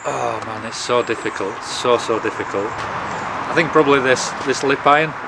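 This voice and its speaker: A voice with ordinary pitch variation comes through over noticeable background noise. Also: man. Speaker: interviewee. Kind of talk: interview answer. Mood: warm, enthusiastic. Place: garden.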